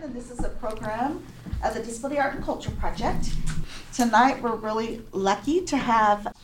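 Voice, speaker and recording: A woman's voice: mid-range voice, slight background noise. A woman moderator welcoming an audience and introducing the speakers at an event. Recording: roomy event recording.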